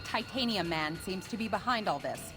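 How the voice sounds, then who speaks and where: An actress plays an authoritative agency commander in a video game. She gives crisp orders in a mid-pitched voice. Music plays clearly behind her. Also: expressive, moderate pace, lightly acted. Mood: businesslike. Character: brisk female agency commander, authoritative and no-nonsense. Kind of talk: video game cutscene acting.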